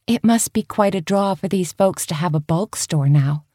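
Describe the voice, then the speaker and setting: A woman giving voice to a cheerful grown woman revisiting the camp of her youth. She talks in a light, bright tone, softly wistful, somewhat higher than the plain narration. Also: moderate pace, husky, no echo, clean studio sound.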